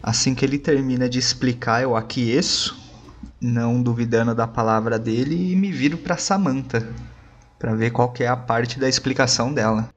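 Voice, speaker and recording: A man's voice: mid-range voice, moderate pace. A man chatting casually as a player in a tabletop role-playing session.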